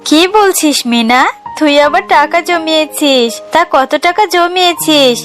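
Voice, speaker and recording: A woman voicing a gentle, trusting mother fox in a children's cartoon, affectionate and expressive. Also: high-pitched, a little slow, soft background music. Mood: surprised, affectionate.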